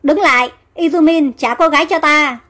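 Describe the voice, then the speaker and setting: A woman's voice: high-pitched, normal speed, sharp tone, soft background music. A woman voicing a male envoy, anguished and desperate.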